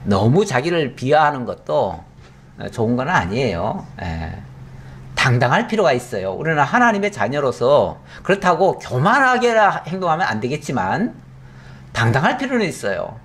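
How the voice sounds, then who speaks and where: A man's voice: mid-range voice, very animated, normal speed, fairly bright tone, slightly rough. A middle-aged male pastor giving a Bible exposition, telling the story with animation and acting out the characters' lines.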